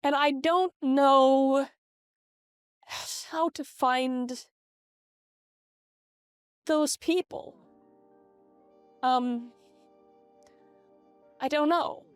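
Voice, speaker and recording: A middle-aged woman talking casually to her vlog audience through a voice changer, reflective and halting, with repeated false starts. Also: sits high, steady tone, no echo, clean studio sound. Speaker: vlogger. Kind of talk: casual personal vlog monologue. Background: lo-fi video game music.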